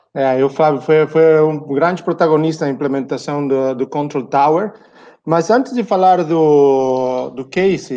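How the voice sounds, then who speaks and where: Against a quiet background, a man with a Bolivian accent speaks at a fairly high pitch with ordinary pitch variation. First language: Spanish (speaking Portuguese). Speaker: logistics executive. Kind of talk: corporate presentation.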